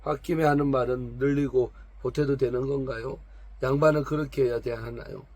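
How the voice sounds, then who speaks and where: A man reading aloud the questions of a pastor's wife counseling a troubled woman, pointed and calm. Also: mid-range voice, a little fast, no echo, lightly acted. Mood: probing.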